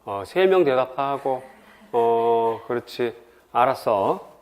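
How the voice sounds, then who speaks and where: Taking it slowly in a mid-range voice, this middle-aged Seoul man gives an admissions info session lecture for exam prep. He keeps things lively and chatty, sharing personal stories along the way.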